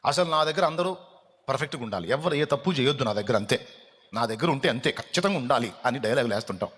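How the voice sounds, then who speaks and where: A man's voice: medium pitch, animated, fast. Dramatic male preacher in a reverberant hall. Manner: dramatic and scolding, with rhetorical questions and sudden loud peaks. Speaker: pastor. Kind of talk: fasting prayer sermon. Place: church hall.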